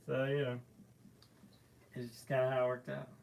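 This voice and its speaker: A man's voice: mid-range voice, completely flat delivery, moderate pace, gravelly, darkish tone, slight background noise. A man, a painter hosting a live stream from his art studio, chatting casually and rambling through loose stories with lots of fillers as he paints.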